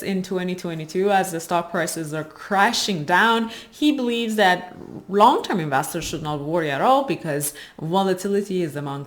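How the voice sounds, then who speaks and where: Woman host explaining stuff step by step, voice goes up and down a lot, leans on key words. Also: medium pitch. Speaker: host of an investing video channel. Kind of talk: explanatory presentation to camera.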